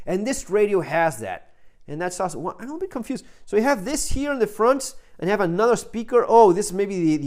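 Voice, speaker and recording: A man's voice: sits high, darkish tone. A man giving an unscripted, casual product review, rambling and cutting himself off with emphatic asides. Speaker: product reviewer, channel host.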